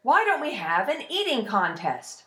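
A woman's voice: fairly high pitch, sing-song, unhurried, fairly bright tone, echoey room, pitched above the performer's own voice. A woman voicing a bold, cunning farm lad in a folktale, with a cocky, nonchalant manner. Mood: sly, nonchalant. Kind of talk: folktale storytelling.

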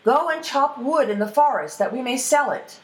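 A poor farmer father from a folktale voiced by a woman, stern and commanding. The speech is raised in pitch and animated, in an echoey space. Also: normal speed. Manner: firm, commanding. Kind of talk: folktale storytelling.

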